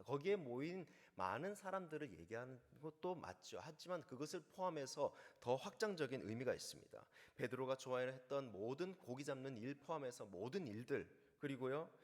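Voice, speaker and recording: A male pastor preaching a sermon in a storytelling manner, slowing down to weigh quoted words. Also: mid-range voice, long reverb tail.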